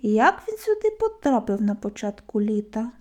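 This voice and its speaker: Woman doing a young hedgehog boy, eager, excitable, high-pitched, loud exclamations, storybook tale. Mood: earnest. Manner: excited, exclaiming, quick to take offense.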